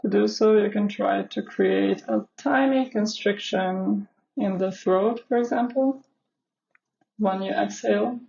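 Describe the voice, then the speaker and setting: A woman leading a guided meditation in a measured, instructional way, with long pauses between phrases. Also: mid-range voice, vocal fry, dark tone, dull audio. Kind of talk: guided meditation, live session.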